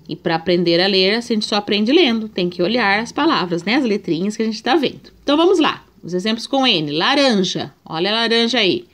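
A Brazilian primary school teacher with a Brazilian Portuguese accent gives young children a remote reading lesson, patiently drawing out each syllable. Her mid-range voice is expressive and fairly bright, moving a little fast with few pauses.

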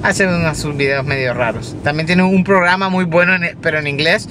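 A man's voice: fairly high pitch, a little fast, noisy background. A man chatting casually in a daily vlog, rambling with fillers and restarts while driving. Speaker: vlogger. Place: in a car, driving.

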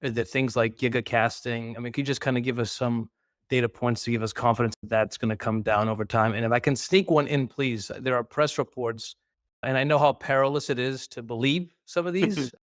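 A man asking a polite, measured question as an analyst on an earnings call. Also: mid-range voice, steady tone, no room sound, clean studio sound.

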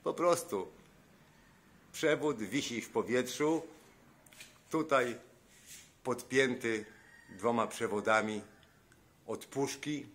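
A man's voice: mid-range voice, takes it slowly, long pauses, a bit bright. A man narrating a walkthrough of a house, complaining with exasperated sarcasm about shoddy repairs, filmed on a phone indoors. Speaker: vlogger.

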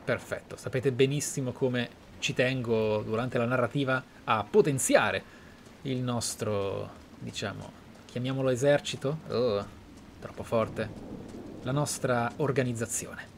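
A man's voice: medium pitch, fairly even intonation, measured pace, creaky, a little hiss or hum. An Italian man hosting a video game playthrough, reading and commenting in a theatrical, formally phrased way. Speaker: gaming video host.

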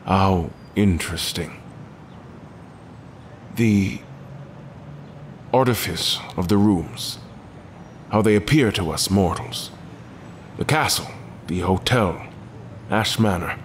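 A man's voice: deep voice, takes it slowly, pauses often, slight background noise. A man playing a courteous, guarded admiral in an audio drama, speaking politely and formally. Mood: polite, probing. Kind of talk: audio drama acting and first-person narration.

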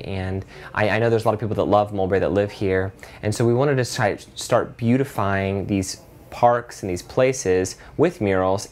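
A man's voice: fairly low pitch, a little mellow, a little hiss or hum. A man in his thirties, a city program director, speaking earnestly in an office interview on a lapel mic, with frequent fillers and restarts. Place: office with window blinds.

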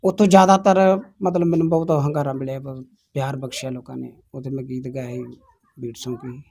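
A man, a folk singer answering interview questions in a humble, soft-spoken way and often agreeing with "haanji". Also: mid-range voice, fairly even intonation, fairly quick. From Punjab, India.

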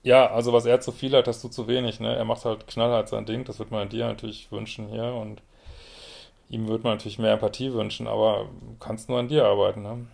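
A male psychologist reading a viewer's letter aloud and commenting on it bluntly, often ending his points with a quick tag question. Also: fairly low pitch, little pitch movement, vocal fry, a little mellow. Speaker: psychologist and couples therapist.

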